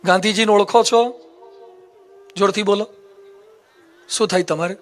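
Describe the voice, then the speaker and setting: A monk giving a religious discourse to a live audience, playful and teasing, quizzing the children. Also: male voice, high-pitched, fairly even intonation, a little slow. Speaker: monk preacher. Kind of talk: humorous Gujarati religious discourse. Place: assembly hall with a live audience.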